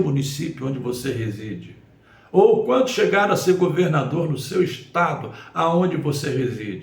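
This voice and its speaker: There is audible echo in the room. A man talks at a moderate pace and a fairly high pitch. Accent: Brazilian. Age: 70s. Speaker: Bible teacher. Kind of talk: Bible lesson broadcast. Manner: halting.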